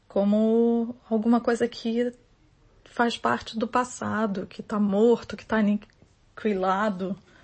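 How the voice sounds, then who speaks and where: Speaking at a very slow pace, a woman uses monotone, flat intonation. Her voice is fairly high-pitched and somewhat breathy. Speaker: podcaster. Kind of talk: personal monologue.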